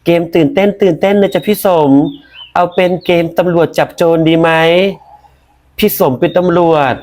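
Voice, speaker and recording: A man doing a coy young woman in a storybook tale, sugary and wheedling, pitched far up into a high falsetto, breaking into loud, shrill screams for help when the game starts. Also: fairly even intonation, moderate pace, close to an everyday voice. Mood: coaxing. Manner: sweet wheedling tone, then high frantic cries for help.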